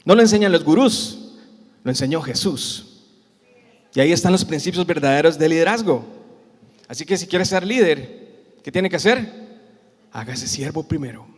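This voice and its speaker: Male pastor, Costa Rican Spanish accent, sermon, rhetorical questions, high voice, long church reverb. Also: animated, normal speed, pauses often. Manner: preaching with rhetorical questions, acting out cries. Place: church hall.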